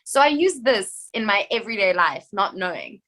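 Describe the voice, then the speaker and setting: A young adult woman from South Africa, an actress talking in a casual podcast chat, chatty and animated with quick asides. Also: mid-range voice. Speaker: actress guest.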